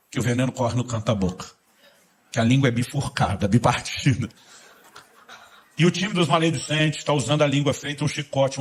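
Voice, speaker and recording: A middle-aged man, preaching a sermon as a pastor and acting out the dialogue in his stories with humor. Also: medium pitch.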